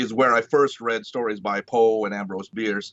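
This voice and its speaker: This voice has an American accent. Its delivery moves at a moderate pace. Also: man. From US Midwest, Illinois and Indiana. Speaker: literary scholar. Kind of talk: interview. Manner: hesitant, many fillers and repeats.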